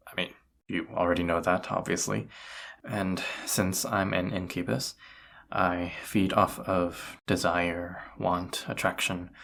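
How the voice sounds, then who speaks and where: Casting: male actor as a weary, awkward incubus roommate for audio roleplay, very low gravelly voice, hesitant delivery. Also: slight background noise, full character voice. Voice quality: husky, gravelly. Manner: hesitant, halting, soft-spoken, awkward. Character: tired, flustered male incubus roommate confessing feelings. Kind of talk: roleplay audio drama, intimate one-sided dialogue.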